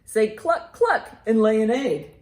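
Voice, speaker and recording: A woman hosting a children's storytime in an animated, encouraging, sing-song way, with rhymes and picture-book reading. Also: fairly high pitch, measured pace. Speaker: library storytime host. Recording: roomy, echoey indoor sound.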